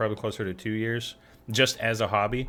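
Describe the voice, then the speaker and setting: This man has a medium-pitched voice and a slight Kentucky accent. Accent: slight Kentucky redneck twang. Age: 20s. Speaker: podcast host. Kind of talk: casual chat. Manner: animated.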